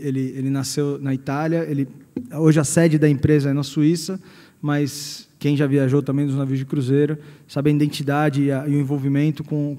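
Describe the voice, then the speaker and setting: Mellow Brazilian man speaking in an echoey hall. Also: mid-range voice. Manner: hesitant, repeating words as he searches. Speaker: company president giving a guest lecture. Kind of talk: personal career talk to an audience. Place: large hall at a university event. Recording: echoey hall with long reverb.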